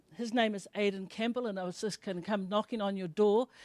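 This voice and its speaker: The intonation is fairly even, with noticeable background noise throughout. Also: woman. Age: 70s. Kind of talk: public floor speech. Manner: halting.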